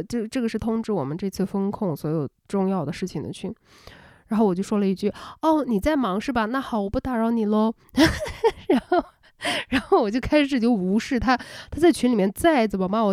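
A young woman from Shanghai, podcast host, telling a story in an exasperated late-night rant, acting out quoted voices with rising pitch, recorded close at home in bed. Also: a little mellow, no echo. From Shanghai, China. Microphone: close home recording, unedited.

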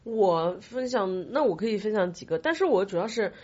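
A woman co-hosting a podcast, chatting casually and recommending things to her friends in an animated, teasing manner. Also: mid-range voice, normal speed, husky, dull audio. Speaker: podcast co-host. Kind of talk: casual chat.

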